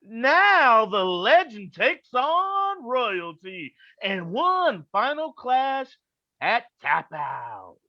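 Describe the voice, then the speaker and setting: A man's voice: extremely high pitch, big pitch swings, very slow, dry recording, heavily acted. A man playing a cocky, boastful wrestling prince who taunts through a theatrical promo, in lo-fi audio. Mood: grand.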